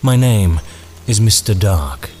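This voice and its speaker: A slow, sinister, courtly ringmaster. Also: male voice, fairly low pitch, expressive, darkish tone, a little hiss or hum. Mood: ominous musing. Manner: theatrical, archaic, deliberate phrasing. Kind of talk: audio drama acting.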